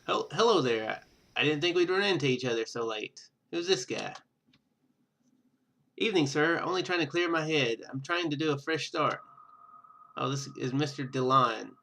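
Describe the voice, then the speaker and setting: Bright-voiced man narrating a video game. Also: a little high, expressive, normal speed, vocal fry. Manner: rambling, thinking out loud. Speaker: gaming video host. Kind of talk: casual let's play commentary, reading game text aloud.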